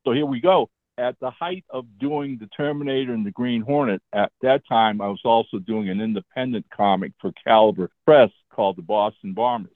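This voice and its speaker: A man's voice: mid-range voice, a little fast, few pauses, dry recording. Chatty seventy-something man on a tinny phone line. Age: 70s. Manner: chatty, often checks in with "all right?" and "okay?". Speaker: guest, comic book writer. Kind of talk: casual interview storytelling.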